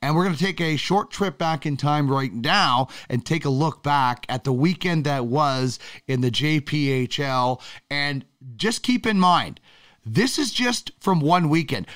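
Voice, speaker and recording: A man with a Canadian accent and a normal speaking voice talks at a fairly slow pace, his pitch fairly high and his intonation lively. The recording is very clean with a silent background. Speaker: podcast host and freelance announcer. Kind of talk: casual podcast chat, with sports commentary.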